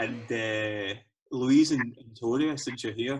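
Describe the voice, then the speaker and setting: A man speaks with a Scottish accent against a quiet background. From Scotland. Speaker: spoken word poet. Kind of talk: introducing a poem at an online gig. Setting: online video gig. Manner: casual, playful. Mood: playful, warm. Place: home room. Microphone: video call.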